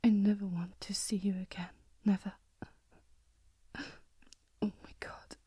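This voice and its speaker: A woman performing an acted audio roleplay to a listener, by turns pleading tearfully and whispering softly. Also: medium pitch, level tone, unhurried, slightly rough, no echo, clean studio sound. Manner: hushed, intimate whispering.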